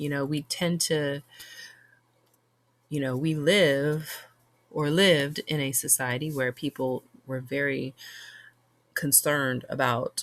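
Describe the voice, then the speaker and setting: The voice is quiet. It moves at a very slow pace. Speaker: tarot reader. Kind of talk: tarot reading. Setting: at home late at night. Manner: quiet, low volume.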